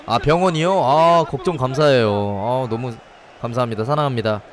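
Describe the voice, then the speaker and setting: A man streaming a football game live with a head cold and sore throat, joking in a mock nightclub-waiter patter and shouting excitedly at shots on goal. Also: mid-range voice, normal speed. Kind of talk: live gameplay commentary.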